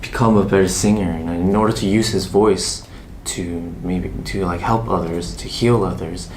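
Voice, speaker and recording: A young man in casual chat, talking gently and reassuringly to a fan with many "you know" fillers. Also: deep voice, steady tone, moderate pace, a little hiss or hum. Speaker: K-pop idol answering a fan.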